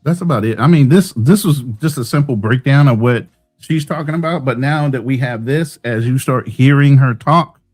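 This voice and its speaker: A man's voice: medium pitch, moderate pace, a little mellow, soft background music. A man giving casual, conversational commentary as co-host of a livestream.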